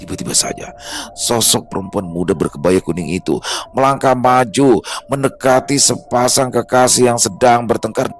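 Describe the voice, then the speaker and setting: A man narrating a scripted horror story in a slow, hushed, dramatic way. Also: mid-range voice, soft background music.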